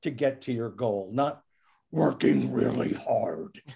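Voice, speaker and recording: Using a put-on character voice, a man speaks at medium pitch. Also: fairly slow pace. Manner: dramatic game announcer voice.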